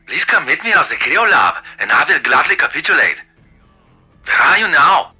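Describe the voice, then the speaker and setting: An actor playing an eccentric, older German wartime scientist in a video game, excitable and arrogant, raspy and halting, with a German accent. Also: male voice, fairly high pitch, faint music behind, exaggerated voice. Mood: agitated. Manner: halting, theatrical, with abrupt outbursts. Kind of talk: video game character acting.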